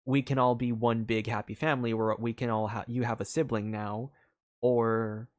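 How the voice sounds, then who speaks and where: A man's voice: mid-range voice, level tone, moderate pace. A man streaming a story game, thinking aloud in a rambling way, with many fillers and restarts. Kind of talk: casual live game commentary.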